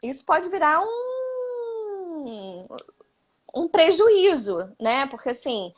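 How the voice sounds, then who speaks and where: Brazilian woman psychologist with a high voice, explaining calmly over a phone live stream. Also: drawn-out words. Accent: Brazilian Portuguese. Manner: explanatory, with frequent tag questions. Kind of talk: live-stream talk giving parenting advice. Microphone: phone or video call.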